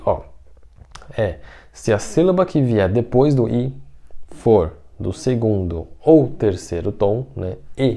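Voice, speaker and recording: A man teaching a language lesson online, explaining patiently step by step, slowly repeating example phrases and often checking in with the viewer. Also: on the low side, mellow. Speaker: Mandarin teacher.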